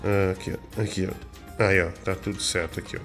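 A man's voice: sits low, flat delivery, a little fast, fairly bright tone, faint music behind. A man hosting a comedy radio show, needling and teasing his co-host.

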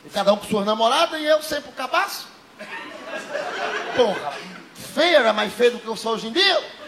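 On a noisy comedy stage before a live audience, a young man from Ceará with a Northeastern Brazilian accent performs stand-up. His very high-pitched voice moves at normal speed as he tells crude stories and animatedly acts out the dialogue.

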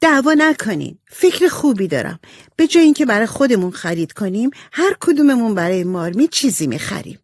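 A sweet, gentle young girl, as a woman puts her on, speaking softly and kindly in a raised, lilting voice. The recording is dry and close. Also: on the high side, sing-song, no echo, pitched above the performer's own voice. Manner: soft, kindly. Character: gentle shy girl, sweet peacemaker sister.

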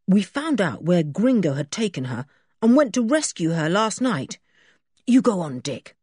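A woman's voice: mid-range voice, very animated, unhurried, darkish tone, husky, no room sound, clean studio sound, pitched above the performer's own voice. A woman voicing a sensible schoolboy who explains things in an earnest, matter-of-fact way. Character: sensible older schoolboy, the leader.

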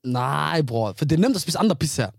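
A man with a slightly raised, husky voice chats loosely on a podcast. He spins his stories in slang, stumbling over restarts and breaking into laughter. The sound is close and dry. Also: fairly high pitch, very animated, no room sound. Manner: laughing storyteller, slang-laced, many restarts. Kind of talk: casual chat.

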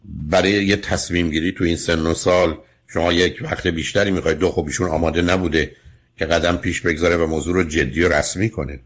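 A very deep, husky male voice counseling a caller on a radio advice show. He talks in a firm, lecturing way and cuts in with pointed questions. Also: steady tone. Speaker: radio call-in advice host.

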